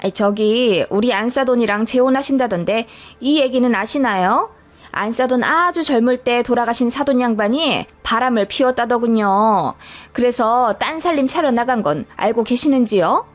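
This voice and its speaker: A prying, scheming older mother-in-law, read by a woman, high-voiced and insinuating. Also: lively intonation, normal speed, soft background music, natural voice. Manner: prying, self-justifying, insinuating.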